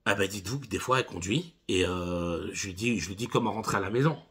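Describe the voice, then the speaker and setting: A man's voice: low-pitched, fast talker, slightly rough. A man in his thirties, a driving instructor, telling funny anecdotes casually to his viewers. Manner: animated anecdotes addressed to viewers as 'les gars'. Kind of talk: casual storytelling to camera.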